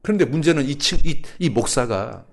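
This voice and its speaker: A male pastor delivers a sermon and keeps drawing answers from the congregation. His delivery swings widely in pitch, and his voice has a gravelly fry to it. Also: expressive, moderate pace. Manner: questions the congregation, tells a story with acted voices.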